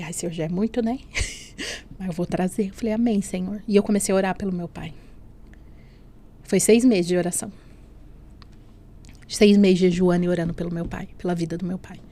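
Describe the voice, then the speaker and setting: A Brazilian woman with a lowish, dark-toned voice shares her personal faith testimony as a guest on a podcast. She sounds earnest and emotional, frequently slipping in "né?" and "assim."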